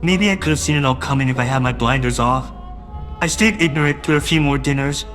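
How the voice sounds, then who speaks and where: A man's voice: medium pitch, brisk, fairly bright tone, soft background music. A man narrating a first-person audio drama in a wistful, doting way that grows uneasy.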